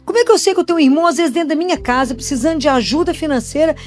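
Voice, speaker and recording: High-voiced Brazilian woman preaching. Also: racing, soft background music. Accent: Brazilian Portuguese. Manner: conversational, with rhetorical questions. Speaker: Catholic speaker and pediatrician. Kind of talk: preaching sermon. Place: church gathering after communion.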